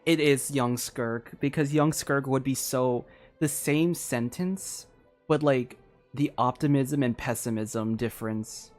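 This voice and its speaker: Male streamer reacting live to a game story, average pitch, soft music underneath. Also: slow. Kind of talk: live game commentary, reading dialogue aloud.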